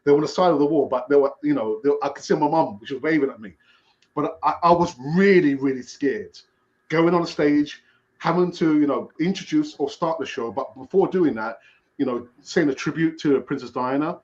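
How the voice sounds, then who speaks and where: A man's voice: fairly high pitch, fairly quick, darkish tone, dull audio. A man hosting a casual chat show, telling personal stories in a rambling way with many restarts. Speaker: podcast host.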